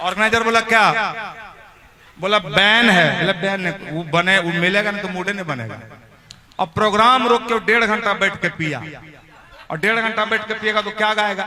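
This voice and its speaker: Over noticeable background noise, a man with a high pitch uses a raised, projected voice and an animated tone, pausing long and often. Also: ordinary pitch variation. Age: 60s. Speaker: folk singer. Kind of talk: casual interview talk.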